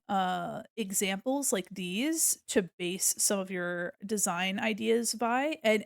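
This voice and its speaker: A woman's voice: mid-range voice, clear, resonant tone, dry recording, studio quality. A sniffly woman streamer giving a casual art critique, chatty and full of ums as she talks while drawing. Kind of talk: casual art tutorial walkthrough.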